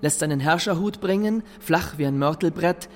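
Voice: medium pitch, normal speed, natural voice. A narrator reciting chronicle verse in a radio play, declamatory and precise.

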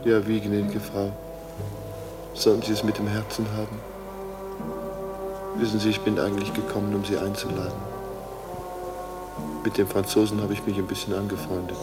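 A man's voice: on the low side, completely flat delivery, normal speed, long pauses, loud music behind the voice, natural voice. An actor playing the ghost of a murdered man in a radio drama, suave and politely formal, mocking and insistent with macabre understatement. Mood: politely chatty. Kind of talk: German radio drama acting.

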